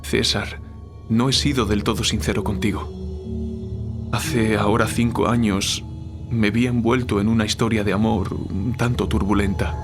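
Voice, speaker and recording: An actor playing a guilt-ridden male writer, confessing haltingly in an audio horror drama over music. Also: lowish voice, fairly even intonation, close to an everyday voice. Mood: confessional, remorseful. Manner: hesitant, halting confession with repeated words. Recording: music bed behind the voice.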